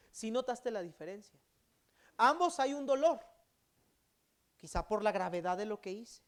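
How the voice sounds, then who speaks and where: Dramatic pastor preaching. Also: male voice. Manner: dramatic, swings from loud emphatic bursts to quiet low endings; acts out quoted speech in dialogue. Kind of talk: sermon. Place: church.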